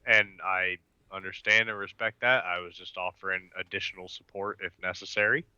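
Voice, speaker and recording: A man playing a polite, earnest team member who speaks deliberately and courteously, pausing as he presses for action. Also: low voice, little pitch movement, bright, forceful tone, clean tone, no room sound, muffled recording. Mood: deferential.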